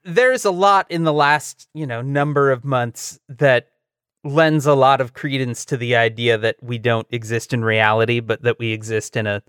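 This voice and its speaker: A man co-hosting a casual comedy chat with wry, deadpan musings. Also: medium pitch, moderate pace, clear, resonant tone, no echo, studio quality. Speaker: podcast co-host.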